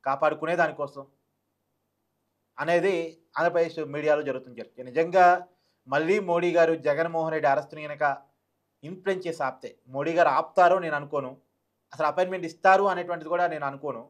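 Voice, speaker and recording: A man giving opinionated political commentary to online viewers, emphatic, repeating phrases and asking rhetorical questions. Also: on the high side.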